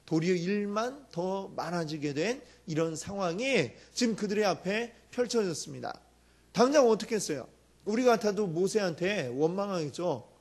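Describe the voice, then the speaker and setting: A male pastor preaching a sermon, telling a story with lively acted-out quotes and asking the congregation questions. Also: high voice, normal speed, few pauses.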